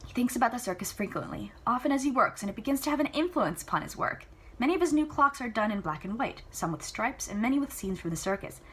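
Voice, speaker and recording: A woman reading a novel aloud in an enthusiastic, chatty way, adding casual asides and reactions, with a husky voice. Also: fairly high pitch, animated, fast, a bit bright. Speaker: amateur book reader.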